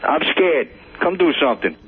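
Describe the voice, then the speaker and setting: Male, foul-mouthed arguer, high and very animated, dull lo-fi call audio. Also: normal speed, husky. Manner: combative, taunting, foul-mouthed. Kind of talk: heated phone argument. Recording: muffled lo-fi phone call.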